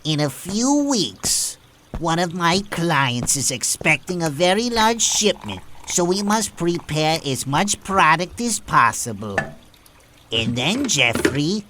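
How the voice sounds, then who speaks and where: An actor playing a scheming male crime boss in an audio drama, with a deliberate, theatrical delivery. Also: fairly high pitch, big pitch swings, background noise. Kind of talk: amateur audio drama acting. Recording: music under the voice.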